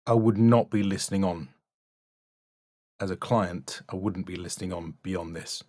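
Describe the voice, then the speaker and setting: A low-pitched man speaks as a voice-over coach, recorded close and very dry. He critiques bluntly and instructively, stressing points in short, emphatic remarks. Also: normal speed, a little mellow, dry recording. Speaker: voice-over coach reviewing demo reels.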